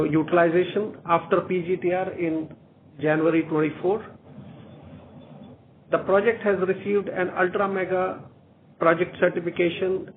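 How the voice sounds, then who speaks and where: A man with an Indian accent speaking haltingly as a company executive on a corporate earnings call over a phone line. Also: high-pitched. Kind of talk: corporate conference call briefing. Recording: tinny phone line with faint noise.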